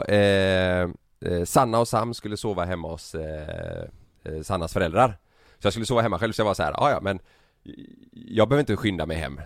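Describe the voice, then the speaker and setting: A man's voice: sits low, dry recording, studio quality. A man in his thirties, a podcast host, telling a long anecdote in casual chat, laughing and acting out quoted lines.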